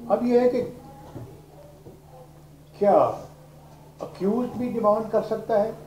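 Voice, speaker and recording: A man's voice: extremely high pitch, little pitch movement, warm tone. Older Pakistani man lecturing, roomy distant sound. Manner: deliberate, explanatory, rhetorical questions, mixes in English terms. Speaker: law lecturer, retired judge. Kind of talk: lecture to law students. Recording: roomy, distant microphone, noisy background.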